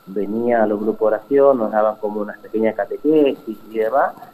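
A man's voice is heard. Background noise is noticeable throughout. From Paraguay. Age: 30s. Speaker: parishioner and community organizer. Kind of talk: testimony.

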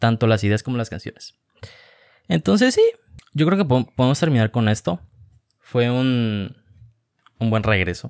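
A man with a Mexican accent at medium pitch, fairly slow with long, frequent pauses and lively intonation, in a dry, close sound with no echo. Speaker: podcast host. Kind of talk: casual chat.

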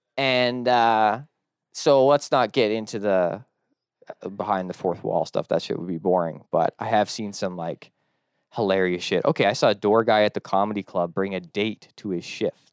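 In a Canadian accent, a man with a normal speaking voice and fairly low pitch speaks at a moderate pace with ordinary pitch variation, in a dry, close sound with no echo on a very clean recording with a silent background. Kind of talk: casual chat. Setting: studio.

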